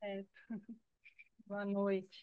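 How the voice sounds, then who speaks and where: A woman is speaking. Her pitch is medium. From interior of Paraná, Brazil. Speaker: architect and urban planner. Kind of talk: webinar presentation. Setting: video call. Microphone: unstable internet connection.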